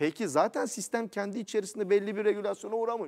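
A high-pitched man, animated and fairly quick, against a quiet background. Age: 40s. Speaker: lawyer. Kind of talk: TV news interview. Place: studio. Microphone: lapel.

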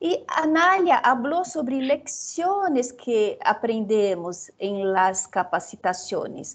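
At a very slow pace and with hardly any pauses, a woman with a high pitch makes very wide pitch swings. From Brazil. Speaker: librarian trainer. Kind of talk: online training quiz. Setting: video call. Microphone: video call.

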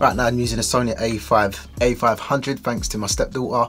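Faint music plays in the background. A man talks with a fairly low pitch. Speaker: YouTube creator. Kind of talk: casual vlog advice. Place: home room. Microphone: handheld.

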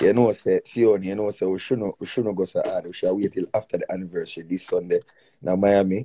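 Someone with a Jamaican accent talks at a very fast pace. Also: man. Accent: Jamaican Patois-inflected English. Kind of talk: casual chat. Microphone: video call.

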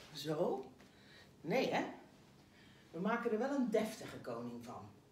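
Very slow speech from a woman, with audible room echo and light background noise. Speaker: dance teacher for children. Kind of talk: instructional talk to children. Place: home room. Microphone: camera far.

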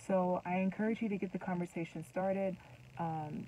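A woman speaks at a moderate pace and fairly low pitch in a dark, mellow tone with fairly even intonation. The sound is dry with no echo, over light background noise. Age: 30s. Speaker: natural hair content creator. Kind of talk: casual vlog talk to camera. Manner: casual with frequent fillers. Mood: earnest, encouraging reminder. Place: car. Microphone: phone near.

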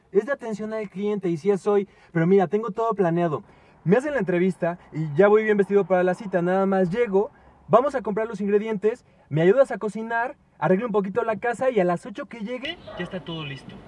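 A man with a high pitch talks at a fairly quick pace with ordinary pitch variation and big swings in loudness, in a dry sound with no echo. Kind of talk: scripted drama dialogue, phone call. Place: car.

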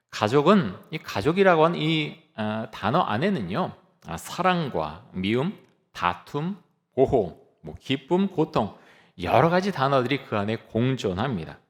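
The speaker's voice carries vocal fry and very wide pitch swings at a very slow pace. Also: man, medium pitch for a man. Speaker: pastor. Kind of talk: sermon. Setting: church. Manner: conversational, with filler sounds.

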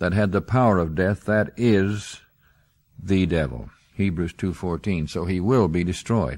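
A man with very deep, low pitch speaks at a fairly slow pace. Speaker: radio preacher. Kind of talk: radio Bible question-and-answer talk. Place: studio. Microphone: old recording.

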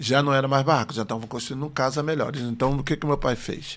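A man speaks in a Carioca accent. His fairly high voice keeps a fairly even intonation. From Rio de Janeiro, Brazil. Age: 60s. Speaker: podcast guest. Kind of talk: testimony. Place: studio. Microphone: studio mic.

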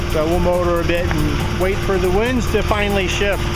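Loud music plays in the background as the speaker talks at a moderate pace. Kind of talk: casual vlog narration. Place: boat.

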